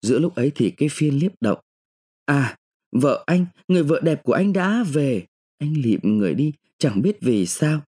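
A man reads a short story aloud with strong feeling. His pitch rises and falls over a wide range. His voice is mellow and slightly husky. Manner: emotive, dramatic. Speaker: narrator. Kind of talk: dramatic short-story reading.

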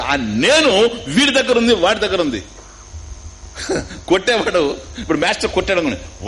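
Lively Telugu-accented man teaching scripture. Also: on the high side, slight background noise, rough recording. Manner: lively teaching with questions and repetitions, mixing in English words. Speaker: spiritual teacher. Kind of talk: Upanishad discourse.

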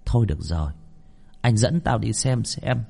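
A man's voice: lively intonation, gravelly, mellow, breathy edge, exaggerated voice. A man voicing a stern female spirit healer. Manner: low, measured voice.

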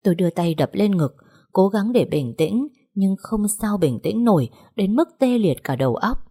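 A woman's voice: medium pitch, animated, moderate pace, warm tone, breathy edge. A woman reading a first-person story aloud as scripted narration, with an emotional, dramatic delivery.

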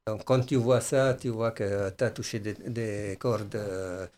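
A man's voice: fairly low pitch, slow pace, darkish tone. A man with an Italian accent, a guest artist in a radio interview, speaking hesitantly with many fillers. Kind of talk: interview, then poetry reading.

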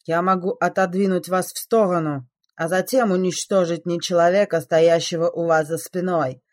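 A man voicing a relentless female robot who speaks in a slow, dutiful, flat contralto. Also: sits high, no room sound, clean studio sound, pitched above the performer's own voice, natural voice. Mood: cold dutiful.

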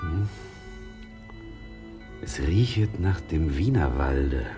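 An actor in a radio drama playing a fatherly Jewish sage, consoling and sardonic, with a deliberate storytelling manner. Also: very deep voice, animated, music in the background, full character voice. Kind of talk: stage-like radio drama acting.

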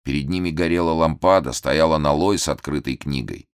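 Deep-voiced male audiobook narrator. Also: a little fast, clean tone, dry recording, studio quality. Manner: expressive storytelling. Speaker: audiobook reader. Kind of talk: scripted narration.

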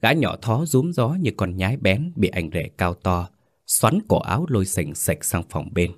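Deep-voiced man narrating a grave story. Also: animated, normal speed, no room sound, clean studio sound.

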